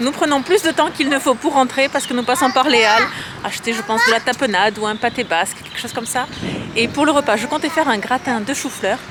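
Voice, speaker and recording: Over noticeable background noise, a woman speaks very fast at a high pitch with ordinary pitch variation. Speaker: lifestyle vlogger. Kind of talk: casual vlog narration. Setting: at home. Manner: whispering.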